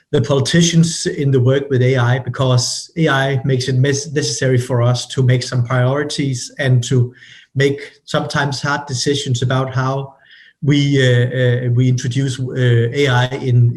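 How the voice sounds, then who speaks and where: Man speaking carefully. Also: mid-range voice. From Denmark. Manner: careful, halting, some restarts. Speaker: local government representative. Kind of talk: panel self-introduction.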